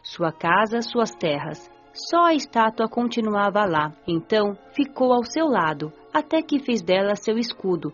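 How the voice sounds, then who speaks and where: A woman narrating a scripted first-person radio novel in a measured, earnest storytelling manner. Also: medium pitch, dull audio. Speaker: audiobook narrator. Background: music.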